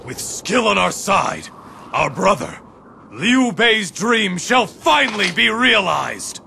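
A noble warrior proclaims his vows in a bright, tense voice. His words come slow and grand, with a rough, gravelly edge. It is a video game cutscene voice. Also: sits high, very animated, a little hiss or hum, full character voice. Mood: proud. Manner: grand, declamatory. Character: proud, noble male warrior sworn to a cause.

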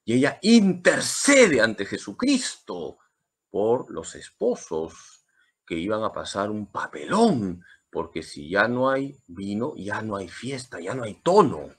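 A man's voice: on the low side, takes it slowly, breathy edge. Priest teaching, lots of ups and downs in his voice, jokes around a bit. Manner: emphatic, lively teaching with humor. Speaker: Catholic priest. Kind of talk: Marian catechesis talk.

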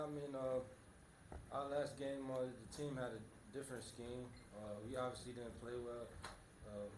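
Young man, matter-of-fact answers, roomy distant sound, clear noise behind. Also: medium pitch. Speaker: basketball player. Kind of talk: postgame press conference answers. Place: press room with sponsor backdrop. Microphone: table mic on stand. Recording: echoey room, distant mic, noise.

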